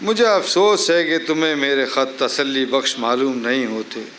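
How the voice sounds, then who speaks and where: A man's voice: medium pitch, animated, very fast, fairly bright tone, lightly acted. A man giving an eloquent dramatic reading as an affectionate, reflective prisoner writing letters to his wife. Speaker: dramatic reader. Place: outdoor garden festival stage. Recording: live outdoor festival, faint background noise.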